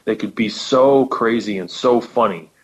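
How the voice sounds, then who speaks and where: Guy with a lowish voice thinking out loud on a podcast, lots of restarts, kinda dull lo-fi sound. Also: a little slow. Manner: thoughtful, rambling, frequent restarts and repeated words. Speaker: podcast guest. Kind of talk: casual conversation about old radio comedy. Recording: lo-fi podcast audio.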